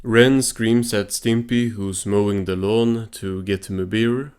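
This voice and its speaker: A man with a low-pitched voice hosts a cartoon recap. His delivery is informal and deadpan, like offhand commentary. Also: unhurried, noisy background.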